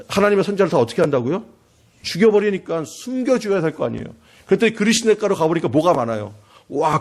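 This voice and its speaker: Dramatic Korean preacher, lively pitch. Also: male voice. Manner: dramatic, acts out quoted prayers with swings in pitch and loudness; asks the congregation questions. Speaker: pastor. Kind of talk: sermon. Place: church sanctuary.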